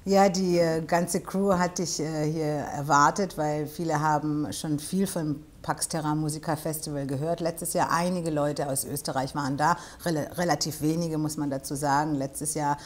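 A woman's voice: low-pitched, fairly even intonation, normal speed, hardly any pauses. A woman hosting a studio interview, welcoming and asking many questions, on a lapel mic. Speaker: talk show host. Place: small studio set with armchairs.

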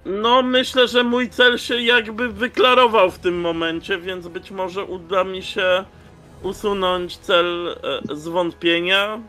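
A man playing a tabletop role-playing game over an online call, talking casually and haltingly as he works out his moves. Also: high voice, little pitch movement, pushed and bright. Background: faint background music.

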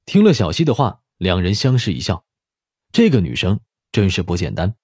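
A man's voice: sits low, wildly swooping pitch, moderate pace, darkish tone, husky, no echo, studio quality. A man narrating a scripted audiobook story as its narrator.

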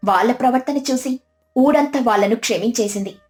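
Higher-pitched woman narrating over music. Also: fairly quick, darkish tone. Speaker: story narrator. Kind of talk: scripted moral-story narration. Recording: background music under the voice.

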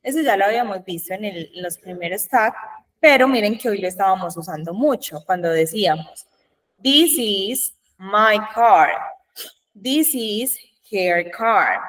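A woman's voice: mid-range voice, lively intonation, a bit bright, far from the mic, poor audio. A woman with a Colombian Spanish accent, teaching an English grammar lesson to a class and checking in with the students often. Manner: slow, drawn-out model sentences, frequent "¿Listo?" checks.

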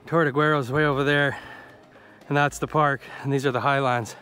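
A man's voice: mid-range voice, steady tone, normal speed, pushed and bright, faint music behind. A male travel vlogger talking casually and joking to himself while hiking outdoors in a rainforest, recorded on a handheld camera. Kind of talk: casual solo travel vlog narration.

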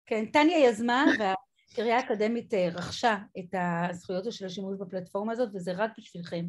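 Chatty woman on a video call. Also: medium pitch. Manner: chatty, encouraging, many fillers. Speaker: academic event host. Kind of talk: casual video call chat. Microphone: laptop webcam on a video call.

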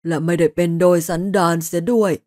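A woman voicing a wary man who tries to sound friendly, speaking slowly and guardedly in a lowered voice. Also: fairly even intonation, no echo, studio quality, close to an everyday voice. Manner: slow, low, guarded. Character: wary middle-aged man, forcing a friendly tone.

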